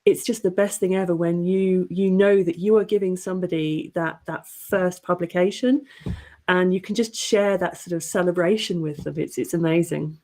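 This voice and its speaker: Low, mellow-voiced earnest woman. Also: fairly even intonation, moderate pace. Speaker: panelist, editor of story anthology show. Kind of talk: unscripted panel talk. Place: remote online panel call.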